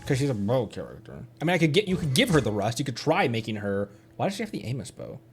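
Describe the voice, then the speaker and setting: A man's voice: medium pitch, very animated, quick pace, faint music behind. A man giving casual live commentary on a gaming stream, rambling and thinking aloud as he goes. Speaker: streamer and host.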